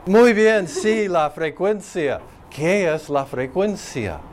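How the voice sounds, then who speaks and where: A man teaching a phonetics class, explaining slowly and thinking aloud with fillers. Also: high-pitched, expressive, darkish tone. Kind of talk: spoken lecture.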